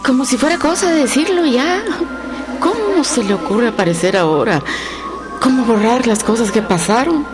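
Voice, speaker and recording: A woman's voice: fairly high pitch, animated, normal speed, over music, close to an everyday voice. An actress playing a fretful, plain-spoken middle-aged rural Mexican mother in a radio play. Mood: troubled, fearful. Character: worried rural mother of grown children, threatened. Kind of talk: radio theatre monologue.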